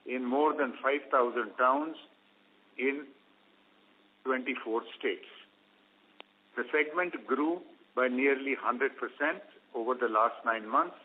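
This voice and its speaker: A man with an Indian accent and a medium-pitched voice reads company results from a script over a thin, phone-like conference line. He speaks formally and in measured phrases, like an executive addressing investors on an earnings call, and the narrow-band line gives the audio a telephone quality.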